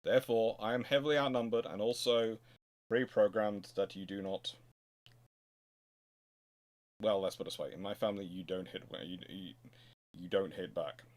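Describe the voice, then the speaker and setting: A man's voice: lowish voice, normal speed, long pauses, a little mellow. A man hosting an informal history question-and-answer livestream, talking in a discursive, rambling way and often restarting his sentences. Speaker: host, naval historian.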